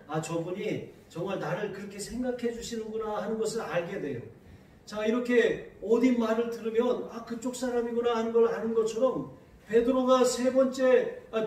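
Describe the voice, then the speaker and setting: A man preaching, recorded from a distance in a big, ringing church sanctuary. His voice sits high. He reads scripture slowly and turns to lively anecdotes. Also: heavy reverb, a little hiss or hum. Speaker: pastor. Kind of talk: sermon.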